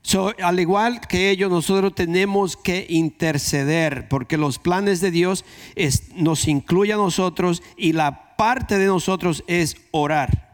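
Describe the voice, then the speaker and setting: A man's voice: high voice, slow. A man with a Dominican accent preaching a conversational sermon, repeating key phrases for emphasis. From Dominican Republic.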